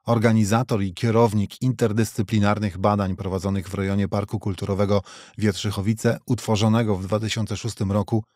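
Man calmly reading a history audiobook. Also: lowish voice, no echo, clean studio sound. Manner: measured, even reading. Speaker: audiobook narrator. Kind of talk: scripted nonfiction narration. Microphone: close studio mic.

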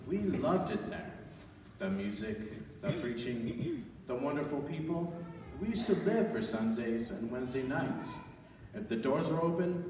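A man playing an older storyteller fondly recalling his childhood in a stage radio play, with a folksy manner. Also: medium pitch. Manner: reminiscing, folksy. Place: large church auditorium, recorded from the audience. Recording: echoey hall from far off, noisy.

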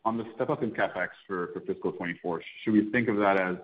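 A man with a deep voice asks questions as an analyst on an earnings call. He comes through a narrow, radio-like phone connection. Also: quick pace. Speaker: financial analyst asking questions.

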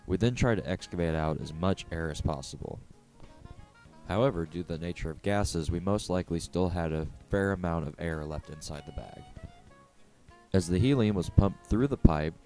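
A man with a low, mellow voice narrates a scripted physics lesson. He explains methodically, one step after another, with music playing behind him.

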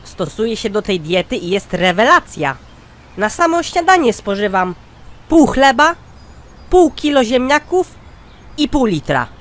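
A man voicing a droll, crotchety old grandpa in a cartoon comedy skit, drawing out deadpan punchlines. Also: very high voice, a little slow, heavily acted. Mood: boastful.

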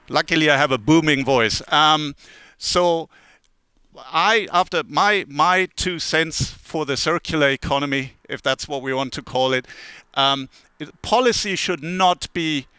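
Man at a conference lectern, bright clear voice, dry close sound, loose talk full of ums and restarts. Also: on the high side, no echo. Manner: conversational, many fillers and restarts, self-deprecating asides. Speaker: conference speaker. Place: conference hall, standing at a lectern.

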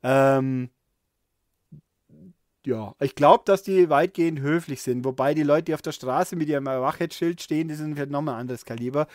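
A man with a slightly raised pitch hosts his own show alone, chatting casually over a viewer's letter. He stumbles and restarts often, filling gaps with "äh". The sound is dry and close, with no room echo. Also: normal speed, darkish tone. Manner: reads a viewer's letter aloud and comments with many fillers and restarts. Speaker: podcast host reading viewer mail. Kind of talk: casual solo chat.

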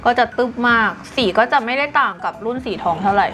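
Woman beauty vlogger, higher voice, casual chatty review, enthusiastic, faint music behind. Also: quick pace. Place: home, near a window where a lawn mower is heard.

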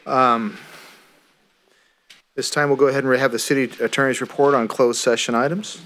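Polite mayor chairing a council meeting. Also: male voice, mid-range voice, steady tone, a bit bright. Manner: brisk, polite procedural phrasing. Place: council chamber dais.

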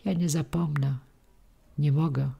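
A woman's voice: sits low, steady tone, unhurried, creaky, warm tone, husky, full character voice. A woman reading the part of a reserved, wounded middle-aged woman who speaks in a restrained, firm way, in an audiobook.

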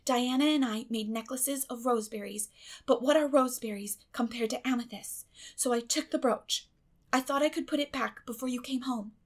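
Theatrical little girl for an audiobook, high breathy voice, super dramatic and wordy. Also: moderate pace. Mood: dreamy recital. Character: dramatic, imaginative young girl, pleading and theatrical.

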